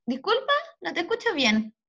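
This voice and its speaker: A woman's voice: extremely high pitch, big pitch swings, moderate pace, pushed and bright. A woman teaching a class over a video call, patiently quizzing her students. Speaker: schoolteacher. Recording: muffled video-call audio.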